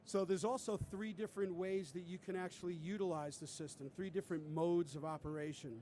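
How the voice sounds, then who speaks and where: A man giving a live product demonstration, explaining things step by step as a presenter. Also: darkish tone. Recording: clear background noise with low rumble.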